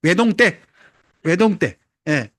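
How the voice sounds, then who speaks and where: A pastor preaches in a high, animated voice, keeping his sermon chatty and humorous. He keeps putting questions to the congregation. The recording is dry and close, with little room sound. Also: slow pace, dry recording. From Jeolla, South Korea.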